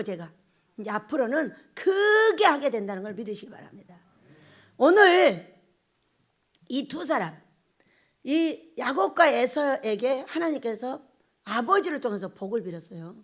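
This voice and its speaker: A woman pastor preaching a sermon in an emphatic, animated way, repeating lines and acting out quotes. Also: high voice.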